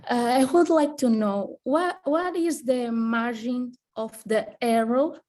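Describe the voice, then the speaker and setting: Woman, student, fairly high pitch, very slow halting delivery, searching for words. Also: warm tone. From Portugal. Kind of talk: asking a question in an online session.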